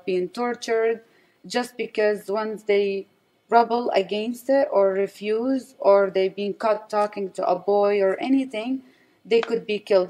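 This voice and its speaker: A woman from the West Bank, raised in Saudi Arabia, with an Arabic accent, giving personal testimony as an interview guest in halting non-native English, searching for words. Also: mid-range voice, warm tone, rough recording.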